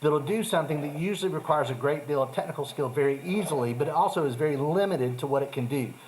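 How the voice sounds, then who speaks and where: With a Southern US accent, a man talks at a very fast pace in a fairly high, somewhat breathy voice with ordinary pitch variation, and audible room echo surrounds him. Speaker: music technology teacher. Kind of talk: video rant. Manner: animated.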